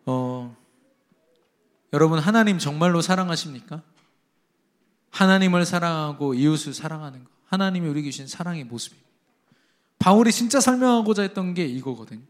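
A male preacher delivering a sermon with a fairly high-pitched voice. He talks emphatically, pushing up into loud exhortations and then dropping down low. He acts out the dialogue of his own anecdotes. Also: animated, brisk, long pauses. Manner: tells a family anecdote with quoted dialogue.

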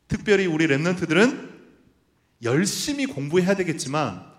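Animated Korean man preaching a sermon. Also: on the high side, normal speed. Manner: animated storytelling, acting out quoted voices. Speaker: pastor. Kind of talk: sermon with personal story.

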